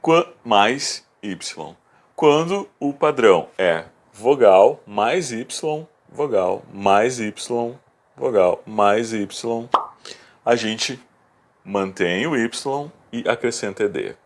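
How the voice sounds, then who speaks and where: Brief: male teacher, measured slow delivery, patient step-by-step explainer. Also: on the low side, animated. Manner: patient, step-by-step, repeats key words slowly. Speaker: English teacher. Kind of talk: video lesson explanation.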